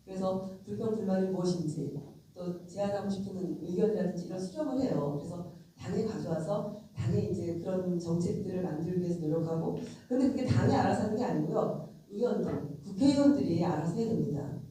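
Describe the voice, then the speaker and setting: A woman's voice: lowish voice, fairly quick, warm tone, a little hiss or hum. Woman with a cold in an echoey hall. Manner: frank, emphatic, addresses audience directly. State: has a cold. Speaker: lawmaker giving a lecture. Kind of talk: conversational political lecture. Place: convention center lecture hall. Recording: very echoey hall, distant mic.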